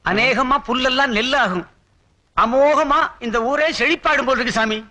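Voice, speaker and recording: A man's voice: very high-pitched, moderate pace, sharp tone. A man playing a skeptical onlooker in an older film, mocking claimed miracles with dry, sarcastic quips. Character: sarcastic male skeptic in a crowd. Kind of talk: 1980s film comedy acting.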